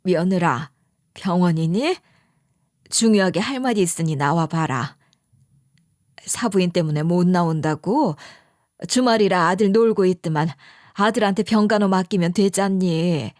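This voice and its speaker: A woman's voice: fairly low pitch, a little slow, darkish tone, no echo, clean studio sound, voice pushed down, natural voice. A woman voicing a pushy, meddling older mother-in-law who nags and scolds as she tells the story. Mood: commanding. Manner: nagging, scolding.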